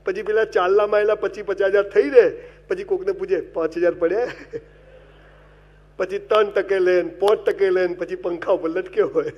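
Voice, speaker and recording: A man's voice: high-pitched, a little fast, hardly any pauses, dull audio. A man giving a humorous motivational speech, telling comic stories and speaking straight to his audience with advice. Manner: animated comic storytelling with wide swings in loudness; addresses the audience directly and gives advice.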